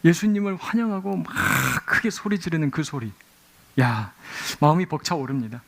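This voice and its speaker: A middle-aged man preaching a Sunday sermon in a church, telling stories with lively acted-out exclamations. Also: on the high side, moderate pace, vocal fry. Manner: animated storytelling with acted-out exclamations. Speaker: pastor. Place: church sanctuary.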